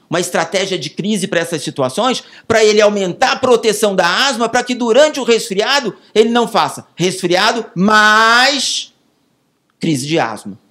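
A man with a Brazilian Portuguese accent, a pulmonologist answering interview questions, explaining slowly with vivid everyday examples. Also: high voice, fairly bright tone.

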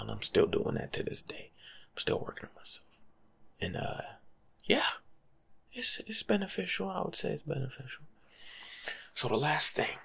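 A young man doing soft-spoken ASMR as a laid-back, rambling life coach, husky and often slipping into a whisper. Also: mid-range voice. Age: young adult. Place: small room at home.

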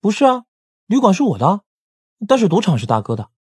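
A man playing a playful, chatty young gangland casino owner in an audiobook drama, with a whiny, animated manner. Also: sits high, fairly quick, slightly rough, dry recording, studio quality, full character voice. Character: playful, chatty young male casino-owning crime boss's brother. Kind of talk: Mandarin audiobook drama acting.

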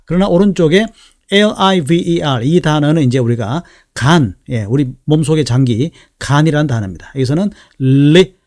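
A middle-aged man teaching English pronunciation in a lesson video, speaking slowly and carefully and repeating each example word. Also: fairly high pitch, a little mellow, no echo, studio quality.

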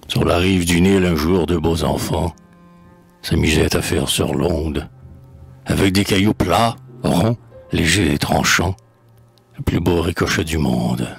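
A man recites a rhymed fable at an unhurried, deliberate pace. His low voice is full of gravel and fry, very husky and breathy, with faint music underneath. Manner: slow, measured recitation. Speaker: poetry reader. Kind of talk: reading a verse fable aloud.

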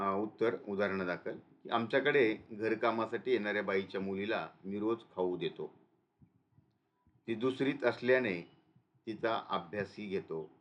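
A male teacher explaining a school lesson, often pausing to check in with listeners. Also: fairly low pitch, lo-fi sound. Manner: explains and repeats with frequent "है ना" checks.

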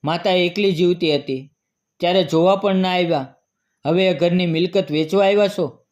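Indignant village folk scolding two neglectful sons, as a male storyteller reads them. The lines are reproachful, in a slightly high man's voice. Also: moderate pace, a little mellow, lo-fi sound, lightly acted. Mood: angry reproach.

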